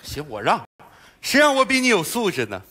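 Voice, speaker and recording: Loud bossy man, very high. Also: wildly swooping pitch, a little fast. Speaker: comedy sketch actor. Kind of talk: northeastern stage comedy sketch.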